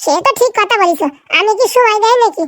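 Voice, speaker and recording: A bossy village housewife for a comedy cartoon, in an extremely high, squeaky voice. She scolds at a furious speed, sarcastic and scornful, and the sound is close and dry. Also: fairly bright tone, no room sound. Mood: scolding, sarcastic. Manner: scolding, sarcastic, rapid-fire complaining.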